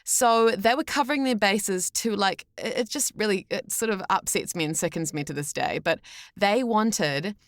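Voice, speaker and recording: A woman's voice: mid-range voice, normal speed, no room sound. A young adult woman with a New Zealand accent, talking candidly and expressively as a guest in a casual podcast conversation. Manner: candid, expressive, wordy with self-corrections. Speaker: guest, voice actor.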